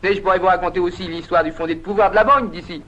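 A man's voice: high voice, steady tone, very fast, fairly bright tone. An actor playing a gossipy, sly old grandfather in an old comedy film. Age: older. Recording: dull old film soundtrack.

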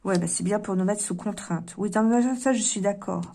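A woman's voice: medium pitch, moderate pace, mellow. A woman doing a card reading, thinking aloud with many fillers and restarts and talking straight to her viewers. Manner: musing, talks straight to viewers. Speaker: card reader. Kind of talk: casual card reading to camera.

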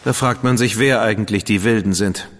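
An actor playing a confident, skeptical Victorian gentleman agent who asks pointed questions. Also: on the low side, brisk, long reverb tail, natural voice. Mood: probing. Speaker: agent of the crown. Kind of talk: studio radio drama acting.

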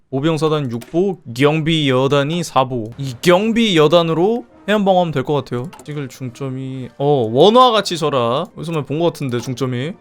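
A young man commenting on a strategy game as a streamer, exclaiming and swearing casually. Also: fairly high pitch.

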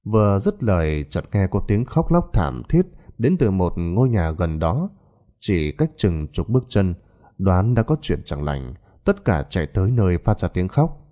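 A man narrating a horror story in a dramatic, expressive scripted style. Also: low-pitched, measured pace.

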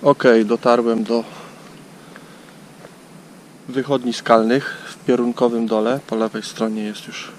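A man in his forties talks in a level, even tone as he walks a leafless forest. His voice comes through an action camera held on a stick, with faint hiss from the outdoors behind him. He speaks plainly and takes his time. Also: medium pitch, poor audio. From Poland. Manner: unhurried, plain, talks while walking. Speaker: hiking vlogger. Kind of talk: casual spoken walk-through narration. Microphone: action camera on a selfie stick.

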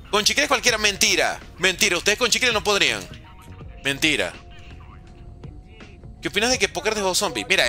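A man streams a game and banters with his chat in a playful tone. His voice is very bright and forceful, swinging widely in pitch. Faint music plays behind him. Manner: playful, reads chat aloud, makes mouth sound effects. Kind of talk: live-streamed gameplay with chat. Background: faint background music.

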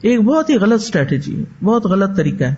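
A woman giving a religious lecture as a teacher, lively and full of rhetorical questions, slowing into chanted recitation of verses. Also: mid-range voice, breathy edge. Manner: animated, asks rhetorical questions and answers them. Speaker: Quran teacher. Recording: dull lo-fi recording.

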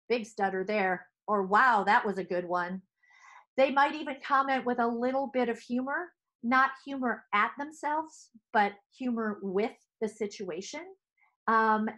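Animated woman with headset mic. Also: mid-range voice. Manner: animated, gesturing with both hands. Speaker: speech-language pathologist. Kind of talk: presenting to clinicians. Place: home office.

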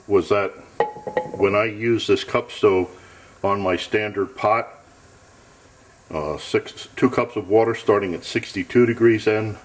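A man's voice: fairly low pitch, a little hiss or hum, rough recording. A man casually narrating a camping stove test off camera in a cluttered home workshop, thinking aloud in a plain, matter-of-fact way. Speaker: gear tester.

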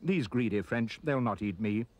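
A man's voice: medium pitch, lively intonation, moderate pace, natural voice. A man voicing a giant snail who stays cool and unbothered. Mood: calm. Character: giant calm male snail.

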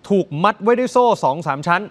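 A man's voice: sits high, expressive, quick pace, a bit bright. A male news presenter telling a crime story in an emphatic way, speaking straight to the viewers. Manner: emphatic, addresses viewers directly. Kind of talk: dramatic news report.

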